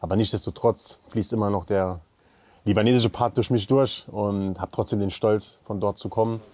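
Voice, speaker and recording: A man's voice: fairly low pitch, fairly even intonation, normal speed, a little mellow, no echo. A man in his thirties from Saarbrücken speaking earnestly and steadily in an interview. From Germany (Saarbrücken). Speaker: restaurant co-owner. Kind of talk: interview statement.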